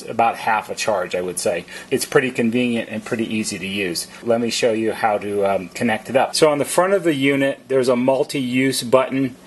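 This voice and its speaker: A man's voice: medium pitch, husky. A man who works as a service technician, giving an informal, plain-spoken product demonstration and explaining step by step.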